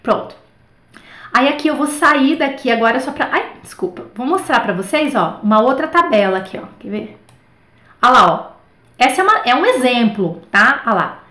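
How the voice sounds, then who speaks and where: A woman's voice: on the high side, normal speed, roomy sound. Chatty Brazilian woman teaching French. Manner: chatty, animated, many fillers like tá and né. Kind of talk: casual online lesson, live.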